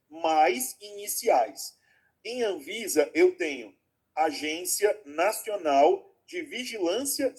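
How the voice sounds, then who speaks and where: A man with a high-pitched, slightly mellow, somewhat rough voice leads an online class on a video call. He breaks explanations into steps, often asks whether students are following, and calls them "my loves" with affection.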